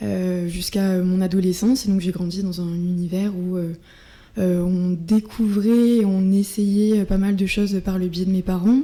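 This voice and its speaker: Here a woman talks at a fairly slow pace in a medium pitch with a dark, mellow tone. Her intonation is monotone and flat. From southwest France, Gers. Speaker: art therapist. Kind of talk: radio interview. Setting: radio studio. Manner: hesitant, many fillers.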